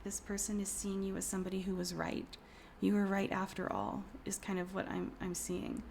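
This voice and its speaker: Hoarse, whispery woman reading tarot. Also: medium pitch, slight background noise. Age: 30s. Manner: soft, often whispery, rambling with fillers. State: hoarse from a cold. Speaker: tarot reader. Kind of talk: casual pick-a-card tarot reading.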